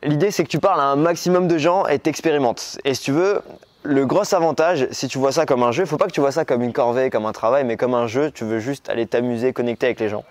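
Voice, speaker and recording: A young man from Morocco giving a dating-coach video lesson, talking casually and expressively, speeding over filler words and slowing down to stress key points. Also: medium pitch, no room sound. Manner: lively, expressive, speeds up and slows down for emphasis.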